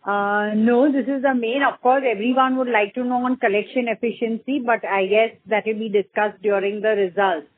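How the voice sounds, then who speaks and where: A woman's voice: fairly high pitch, steady tone, normal speed, few pauses. A woman, an analyst putting questions on a conference call. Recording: tinny phone line.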